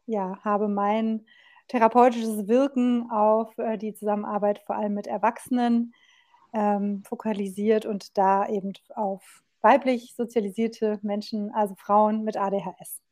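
A woman in her forties from Berlin chats openly as a podcast guest, her voice sitting a little high. She talks loosely and candidly, full of fillers and casual asides. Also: a little mellow. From Berlin, Germany. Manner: chatty and candid, loose and colloquial with frequent fillers. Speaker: guest, occupational therapist.

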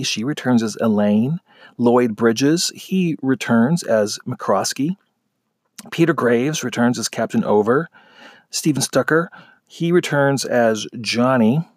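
A man's voice: medium pitch, no room sound, studio quality. A man giving a casual spoken film review, chatty and conversational, with frequent fillers and restarts.

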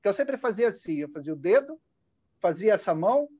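A high-voiced hypnotherapist recounts cases from his practice, acting out the lines he uses with clients. The audio is dull and lo-fi, like a call, and very dry, with no room sound. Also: sing-song, a little fast, a little mellow, no room sound. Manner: demonstrative, acts out what he says to clients. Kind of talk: sharing practice anecdotes.

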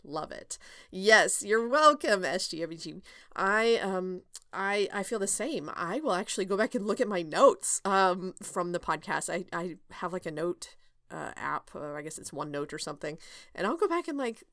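A woman's voice: fairly low pitch, lively intonation, moderate pace, fairly bright tone, no room sound, studio quality. Chatty woman podcast host. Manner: chatty and candid, many fillers and restarts, laughs often. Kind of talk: casual solo podcast chat.

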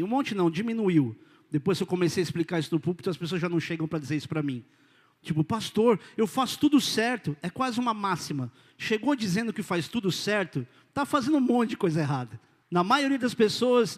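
A Brazilian pastor preaching in a church hall, his voice pitched high for a man. He talks to the congregation directly and informally, swinging from loud bursts to near-hushed asides, with a long reverb trailing behind him. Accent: Brazilian Portuguese. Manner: informal, direct, addresses listeners as "cara" and "querido"; animated, swings between loud and quiet. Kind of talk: sermon.

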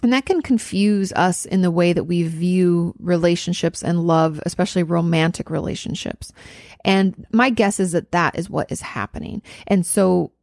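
A woman hosting a question-and-answer show, answering viewer letters in a gentle, reflective way, with many fillers and therapy terms. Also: fairly low pitch, measured pace, creaky, dry recording, studio quality. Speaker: host answering viewer questions on mental health. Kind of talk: casual advice chat.

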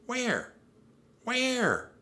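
A man's voice: on the low side, sing-song, a little slow, bright, forceful tone, exaggerated voice. A man voicing an earnest, careful and curious young boy in a children's storybook, with short replies and questions. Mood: surprised, curious.

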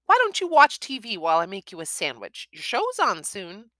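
A woman reading aloud, voicing a worried mother who scolds sharply and then turns tender, in a high fussing voice. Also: wildly swooping pitch, moderate pace, bright, forceful tone, no room sound, clean studio sound. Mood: fretful tender.

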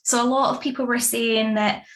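A woman's voice: fairly high pitch, fairly even intonation, normal speed, a bit bright. A woman chatting casually in an interview, with many fillers and frequent laughs. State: pregnant. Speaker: dog grooming academy founder and author.

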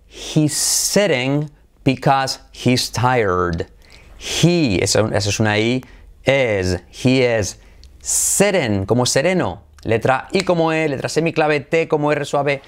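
Slow-paced man drilling English phrases. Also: medium pitch, a little hiss or hum. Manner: drills phrases slowly, then repeats with lively intonation. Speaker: English teacher. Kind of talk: online English lesson.

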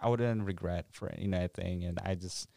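A young man in his twenties from Korea co-hosts a chatty podcast. His voice sits very low and deep, and he thinks aloud with relaxed hesitations. The recording is dry and close. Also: a little fast, creaky, dry recording. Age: 20s. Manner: relaxed, reflective, with hesitations and laughs. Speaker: podcast co-host. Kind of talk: casual conversational podcast.

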